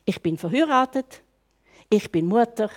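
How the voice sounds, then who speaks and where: A woman's voice: medium pitch, lively intonation, normal speed. An older woman with a Swiss German accent giving a conversational sermon full of rhetorical questions. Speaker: preacher.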